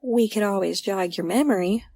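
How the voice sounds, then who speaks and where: Woman acting stubborn optimistic young gal, folksy, lots of vocal fry, dry audio drama recording. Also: medium pitch, normal speed, mellow, dry recording, lightly acted. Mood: casual. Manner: folksy, informal.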